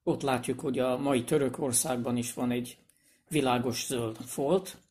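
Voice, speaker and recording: A man giving a casual explanatory video lesson, speaking hesitantly with pauses, fillers and restarts. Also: medium pitch, steady tone, darkish tone. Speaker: language presenter.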